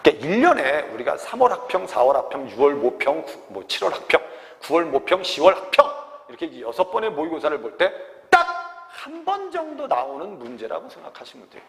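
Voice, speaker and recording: A man's voice: a little high, wildly swooping pitch, a little fast, fairly bright tone, long reverb tail. A man teaching an exam grammar lecture to students. He keeps checking whether they have understood, and he calls himself "teacher". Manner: constant check-ins asking if students understood; refers to himself as teacher in third person. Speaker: Korean language teacher.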